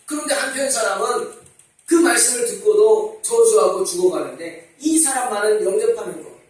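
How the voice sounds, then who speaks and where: A man's voice: sits high, animated, moderate pace. A man preaching a sermon as pastor, asking rhetorical questions and repeating his calls to repent. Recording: echoey church hall, mic at a distance.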